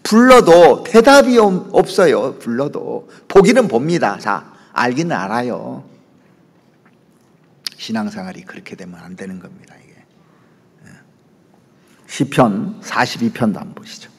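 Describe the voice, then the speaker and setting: Lively Korean pastor preaching in a hall. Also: male voice, measured pace, pauses often, breathy edge. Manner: lively preaching, pitch leaps and drops, asides to the congregation. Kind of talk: sermon. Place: church sanctuary. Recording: church hall reverb.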